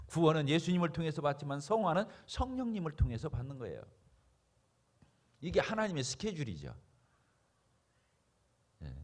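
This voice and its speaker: A man with a high-leaning, darkish voice preaches a sermon as a pastor. He speaks emphatically and fills it with rhetorical questions for the congregation.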